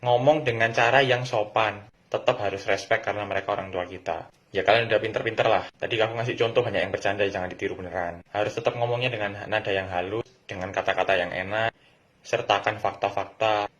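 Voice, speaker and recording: Animated young man giving advice. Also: lowish voice, fast talker. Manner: animated, preachy, acts out quotes. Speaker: vlogger. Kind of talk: casual advice monologue.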